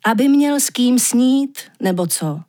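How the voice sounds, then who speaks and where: A woman's voice: a little high, expressive, dark tone, no echo, studio quality, pitched above the performer's own voice, close to an everyday voice. A woman voicing a grouchy, plain-spoken man who complains bluntly.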